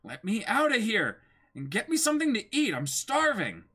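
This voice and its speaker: A man's voice: high voice, huge pitch swings, normal speed, sharp tone, husky, heavily acted. A man playing a carefree, hungry young male pirate with a blunt, casual way of talking. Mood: demanding.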